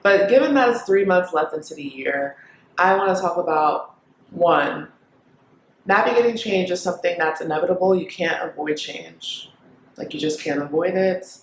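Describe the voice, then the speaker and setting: Young woman vlogger, reflective, pausing often, recorded in a roomy space. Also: lowish voice, animated, slight background noise. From Kenya. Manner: reflective, thinking aloud with many pauses and fillers. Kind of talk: casual talk to camera.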